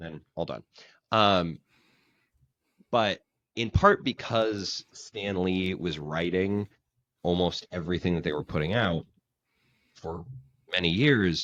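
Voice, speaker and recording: In an upstate New York accent, a man speaks very slowly in a very deep, low voice with long, frequent pauses, and the sound is dry and close with no echo. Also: ordinary pitch variation. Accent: upstate New York American. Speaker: comics podcast co-host. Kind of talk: casual discussion.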